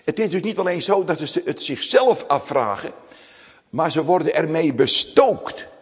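A man preaching a sermon to his congregation, slow and solemn, with dramatic pauses. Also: a little high, lively intonation. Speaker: pastor. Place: church. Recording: long reverb of a church hall.

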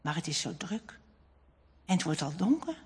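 A woman narrating a children's storybook in an expressive, dramatic reading. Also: lowish voice, moderate pace, breathy edge. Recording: long hall reverb.

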